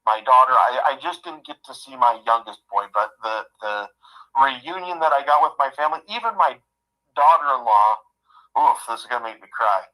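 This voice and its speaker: A man of about fifty with a bright, forceful voice who talks in a heartfelt, halting way, doubling back on his words. He shares a personal story over what sounds like a phone-line call. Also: medium pitch, lively intonation. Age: 50s. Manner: heartfelt, halting, repeats himself. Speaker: guest.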